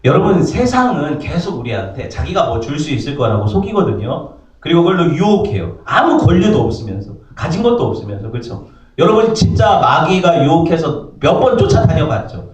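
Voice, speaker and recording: A man preaching in a church, his voice sitting a little high and swooping up and down as he works the room. He keeps checking in with the congregation and acts out the lines of the people in his story. The sound is very echoey and comes from a bit away from the mic. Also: very animated, a little fast, recorded from a distance. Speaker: pastor. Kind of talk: sermon. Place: church sanctuary.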